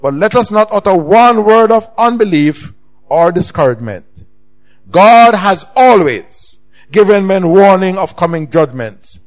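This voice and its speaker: Man, Jamaican accent, middle-aged, pastor, sermon, emphatic delivery, fairly high pitch. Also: expressive, a little slow, faint music behind. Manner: emphatic preaching with sharp swings in pitch and volume.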